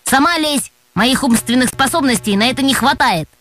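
A woman's voice: sits high, animated, moderate pace, fairly bright tone. A woman voicing a cheeky schoolboy in a children's audio tale, sarcastic and mocking. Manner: teasing and sarcastic. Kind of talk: audiobook character voice.

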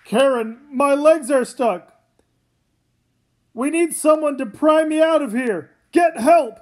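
A woman voicing an earnest father in a comic read-aloud, with her voice lowered. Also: slow pace, darkish tone. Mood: desperate. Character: adult father, easygoing then desperate.

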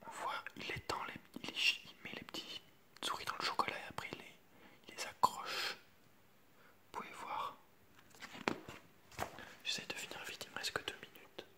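A man reads a children's picture book aloud in a hushed, unvoiced library whisper, ASMR style, adding informal asides to viewers. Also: normal speed, pauses often.

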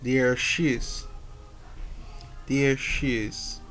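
A man with a Brazilian accent, a native Portuguese speaker, haltingly reading aloud as an English learner and repeating words and phrases. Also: mid-range voice, fairly even intonation, a bit bright, soft background music. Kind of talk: halting read-aloud pronunciation practice.

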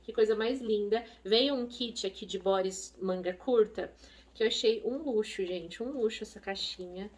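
A woman's voice: mid-range voice, normal speed. A woman with a Brazilian Portuguese accent chatting casually and effusively as she shows off purchases in a haul video. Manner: effusive and chatty, gushing over items. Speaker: vlogger, expecting mother. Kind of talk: casual shopping haul chat. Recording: voice a bit far from the mic.

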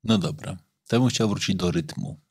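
A man's voice: deep voice, a little fast, gravelly, a little mellow, breathy edge, no echo, clean studio sound. A man hosting an interview, asking short, direct questions. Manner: brief questions and backchannel. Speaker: host, interviewer. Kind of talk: interview conversation.

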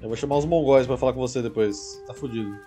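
A man's voice: medium pitch, quick pace, mellow. A young adult man with a Brazilian accent giving casual, slangy gameplay commentary, muttering asides to himself. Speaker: gaming streamer. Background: faint game music.

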